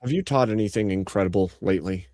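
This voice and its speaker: A man chatting casually as a live stream host, teasing with absurd deadpan humour. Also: low voice, quick pace, dry recording, studio quality. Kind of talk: casual chat.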